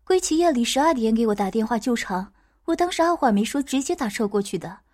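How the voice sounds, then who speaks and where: A woman narrating a first-person audio story in a plain, steady, colloquial way. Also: fairly high pitch, quick pace.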